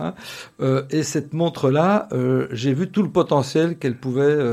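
The recording is very clean, with a silent background. A man speaks at a fairly slow pace in a fairly high pitch with a dark, mellow tone. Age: 50s. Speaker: entrepreneur, company founder. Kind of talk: interview.

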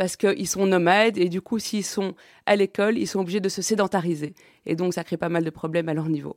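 In a dry, close sound with no echo, a woman talks at medium pitch with ordinary pitch variation and a normal speaking voice. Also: fairly quick pace. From Flemish Brabant, Belgium. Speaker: startup founder, anthropologist. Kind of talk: radio interview.

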